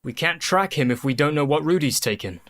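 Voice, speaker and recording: An actor playing a practical, cautious young gentleman in a radio play. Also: a little high, animated, brisk.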